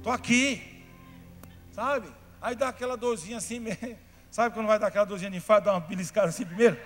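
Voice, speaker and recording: A Brazilian man, a pastor, preaching a sermon, telling stories in a chatty way that builds to fervent shouting. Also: high voice, fast. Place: church hall. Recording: reverberant church hall, faint music behind.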